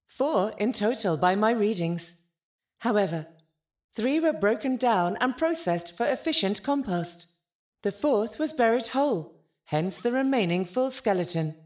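A woman's voice: medium pitch, expressive, unhurried, natural voice. A woman voicing a polite, literal-minded spaceship artificial intelligence in an audio drama, formal, precise and detached. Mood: matter-of-fact.

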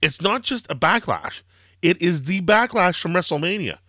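Hoarse, rambling man hosting a podcast. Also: sits high, normal speed, no echo, studio quality. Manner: rambling, filler-heavy, excitable. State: slightly hoarse, throaty. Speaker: podcast host. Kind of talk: casual wrestling podcast chat.

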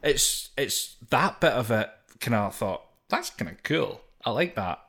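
A man with a Scottish accent, co-hosting a game podcast in relaxed, casual chat. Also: medium pitch, a little slow, slightly rough. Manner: relaxed, uses local words like "wee". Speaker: podcast co-host.

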